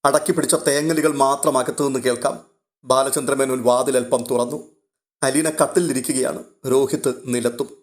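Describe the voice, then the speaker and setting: A man reading a scripted, literary audio story in a measured, emotive way. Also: medium pitch, fairly even intonation.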